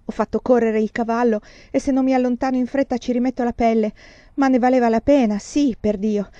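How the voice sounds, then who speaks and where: A woman's voice: a little high, steady tone, fairly quick, mellow, dry recording, lo-fi sound, pitched above the performer's own voice, close to an everyday voice. A woman voicing a desperate young fugitive man who talks in an urgent, boastful, raised voice, read as a storybook. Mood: excited.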